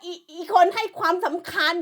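At a moderate pace and with a fairly bright tone, a woman delivers an angry, profane, scolding rant as an online commentator, hurling insults the entire time.

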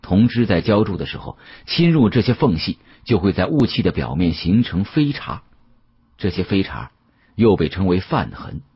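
A man narrating an audiobook as a dramatic storyteller, with an expressive, conversational delivery. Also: sits low, normal speed, slightly rough, highs cut off.

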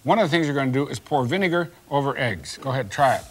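An older man hosts a children's science show on a kitchen set, patiently asking questions and explaining an experiment to a child. He speaks quickly at medium pitch with lively intonation.

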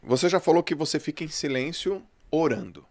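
A man's voice: fairly high pitch, expressive, brisk, a little mellow, no echo. A middle-aged man hosting a casual podcast chat, laid-back and slangy, telling stories with animation. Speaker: host.

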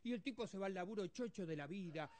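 A man putting on a high, squeaky voice with an Argentine accent, telling jokes on a TV show and acting out the characters in them. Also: expressive, quick pace, darkish tone. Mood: chatty. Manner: rattles through jokes, acts out other characters. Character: squeaky-voiced cheeky grown man, playful joker. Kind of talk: stand-up joke telling on a TV show.

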